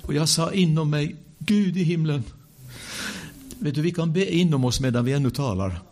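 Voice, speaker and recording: A male preacher giving a sermon built around a personal story, animated in the telling with wry asides, and dropping to a hush for the quiet moments. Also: on the high side.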